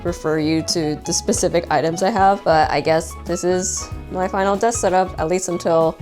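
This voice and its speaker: A young woman vlogging casually to camera, soft-spoken and chatty, her voice worn and fading from talking all day. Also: fairly low pitch, steady tone, moderate pace, soft background music. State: tired, fading voice. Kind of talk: casual vlog talk.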